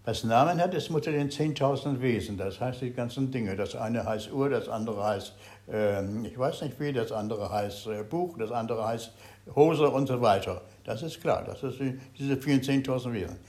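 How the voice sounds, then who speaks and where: An older man speaks at medium pitch while giving a group a Zen meditation talk, halting and searching for words. He veers from loud passages to very soft ones.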